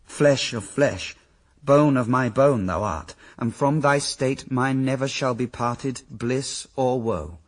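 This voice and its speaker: A man's voice: medium pitch, far from the mic, natural voice. An actor playing Adam, a devoted, grief-struck first man, in solemn classical radio verse drama. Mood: anguished. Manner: grave, solemn, measured verse delivery.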